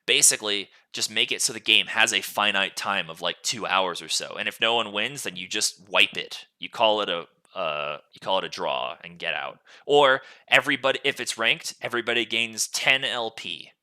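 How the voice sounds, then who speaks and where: A man's voice: fairly low pitch, moderate pace, hardly any pauses, sharp tone. A man hosting a casual gaming podcast, explaining things at length in a rambling way. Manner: casual swearing. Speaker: podcast host.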